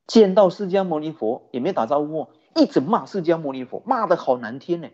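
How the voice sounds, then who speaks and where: A man who is a Buddhist teacher, giving a sermon with lively storytelling and rhetorical questions. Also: a little high, brisk. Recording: dull lo-fi recording.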